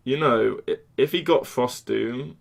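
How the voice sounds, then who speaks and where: Gravelly-voiced man muttering over a card game. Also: medium pitch, a little slow. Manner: muttering, self-interrupting, trails off quietly. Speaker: streamer. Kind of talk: casual game commentary to chat.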